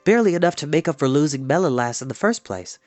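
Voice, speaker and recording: A man voicing an earnest, modest young wandering hero in a storybook, speaking in a measured way. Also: a little high, animated, no room sound, natural voice. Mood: earnest, wary. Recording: music behind the voice.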